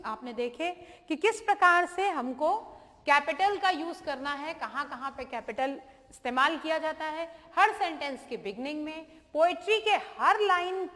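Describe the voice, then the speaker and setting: A woman teaching grammar in a video lesson, explaining patiently and reading examples slowly with exaggerated intonation. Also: sits high, fairly bright tone. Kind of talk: classroom-style video lesson. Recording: long hall reverb.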